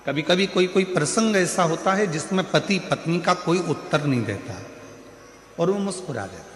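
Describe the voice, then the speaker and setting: A man's voice: a little high, expressive, normal speed, a bit bright, soft background music. A man preaching a devotional sermon, telling a story with emphatic repetition. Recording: echoey hall reverb.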